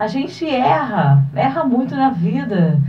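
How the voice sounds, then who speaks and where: A woman's voice swings very widely in pitch against noticeable background noise. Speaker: radio presenter. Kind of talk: motivational message reading.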